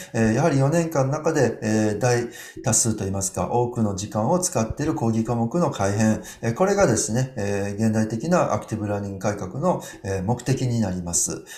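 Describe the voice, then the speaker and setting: A man speaks with lively intonation. The background is quiet, with audible room echo. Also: medium pitch for a man, moderate pace. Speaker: education researcher. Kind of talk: lecture. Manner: frequent fillers, halting; polite formal. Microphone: webcam.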